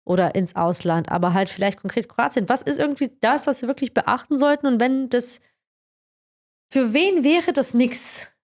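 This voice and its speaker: A woman's voice: on the high side, normal speed, darkish tone. Chatty woman interviewer asking "ne?". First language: Croatian. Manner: chatty, frequent tag questions "ne?". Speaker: interviewer, colleague. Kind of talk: casual conversational interview.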